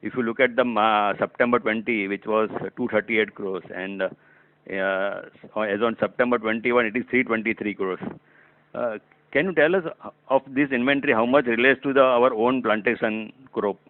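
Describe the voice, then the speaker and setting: A man's voice: on the low side, fairly even intonation, moderate pace, no echo. Male caller on dry phone line. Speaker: analyst caller asking questions. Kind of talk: formal business question on a call. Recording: dry, narrow telephone line.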